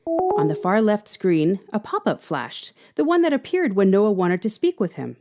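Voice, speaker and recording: A woman reading scripted fiction as an expressive audio drama narrator. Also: mid-range voice, moderate pace, slight background noise.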